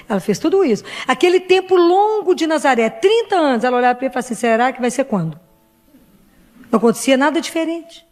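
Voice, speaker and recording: A middle-aged woman preaching a heartfelt sermon to her congregation. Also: high voice. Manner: earnest, heartfelt, speaks directly to the congregation.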